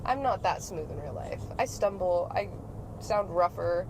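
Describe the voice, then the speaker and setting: A woman hosting a casual podcast chat from a moving car, animated and swearing freely. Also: fairly low pitch, a little slow. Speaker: podcast host. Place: inside a car being driven. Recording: clear car and road noise. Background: car ambience and road noise.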